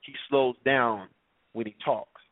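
A man's voice: mid-range voice, fairly even intonation, slow pace, no echo, phone-quality sound. A man on a talk radio show, explaining his views at length with worked examples in a casual way.

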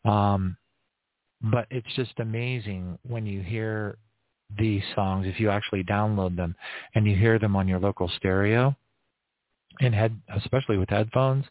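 A man hosting an online prayer service, talking in a rambling, halting way with many fillers and restarts and frequent little bursts of praise. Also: lowish voice, steady tone, no room sound. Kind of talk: casual unscripted church broadcast talk. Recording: tinny phone-like audio, soft music behind. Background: faint music.

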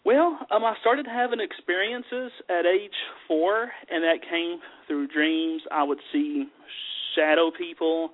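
A man's voice: on the high side, takes it slowly. A man with a Southern American accent, a psychic medium guest talking in an easygoing, folksy way with many fillers. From Southern US mountains. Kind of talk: casual chat. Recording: tinny phone line.

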